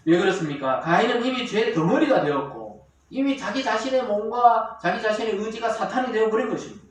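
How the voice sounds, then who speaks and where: A man's voice: sits high, expressive, fairly quick. A pastor preaching a sermon in a church. He talks to the congregation directly, asks them rhetorical questions and acts out the lines he quotes. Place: church sanctuary. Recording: echoey church hall, miked from a distance.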